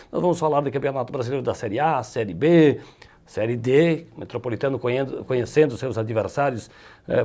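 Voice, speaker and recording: A man's voice: medium pitch, darkish tone. A middle-aged Brazilian man hosts a local sports program in a TV studio. He opens in a polished broadcaster's cadence and then asks his guest friendly, conversational questions. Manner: formal broadcaster delivery with folksy follow-ups. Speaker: sports show host.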